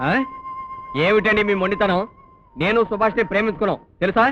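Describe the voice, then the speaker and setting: Nervous high-voiced man, quick. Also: fairly even intonation, music in the background. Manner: nervous, pleading. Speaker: timid young suitor in a comedy film. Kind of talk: film dialogue. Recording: dull lo-fi film audio with faint noise.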